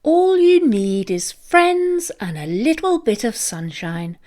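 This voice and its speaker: A woman narrates a children's storybook in a highish, expressive voice. She takes it very slowly, with lots of lift and fall in a sing-song read-aloud style.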